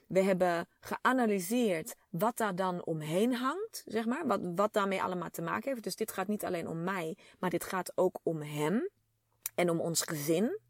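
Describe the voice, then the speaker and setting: A woman's voice: fairly low pitch, lively intonation, normal speed, no room sound. A woman in her thirties telling a personal story to her listeners in an open, chatty, emotional way with plenty of fillers. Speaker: vlogger speaking to a female audience.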